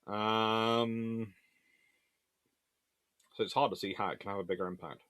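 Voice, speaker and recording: A man's voice: lowish voice, fairly even intonation, a little slow, a bit bright, clean tone, no echo. Man thinking aloud, dry close sound. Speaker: host answering viewer questions. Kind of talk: casual rambling Q&A commentary.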